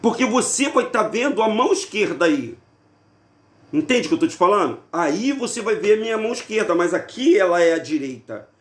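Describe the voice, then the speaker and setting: A man's voice: sits high, sing-song, a little fast, reverberant. A man from Rio de talking casually to viewers, chatty and full of rhetorical questions. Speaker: video host. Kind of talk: casual monologue to camera.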